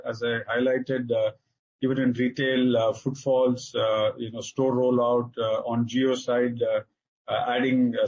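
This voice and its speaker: Husky Indian man presenting company results, muffled audio. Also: medium pitch, a little mellow. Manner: halting, hesitant delivery with frequent filler sounds. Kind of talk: earnings call presentation. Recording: dull lo-fi conference call audio.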